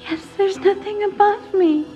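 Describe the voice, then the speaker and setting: A woman voicing a lost ghost girl, very high. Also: measured pace, dull audio, faint music behind. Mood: lost, scared. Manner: small, frightened and confused. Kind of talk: narrated horror story.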